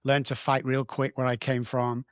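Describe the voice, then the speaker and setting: A man's voice: medium pitch, monotone, normal speed, dry recording. A man in his sixties from Manchester with a northern English accent, chatting as a podcast guest in a blunt, joking, cocky way. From England. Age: 60s. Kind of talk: casual podcast chat.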